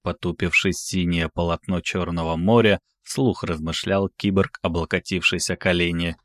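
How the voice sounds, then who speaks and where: A man reads scripted science fiction narration. His voice sits low and his delivery is solemn and deliberate. The recording is close and dry. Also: fairly even intonation, fairly bright tone, dry recording. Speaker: audiobook narrator.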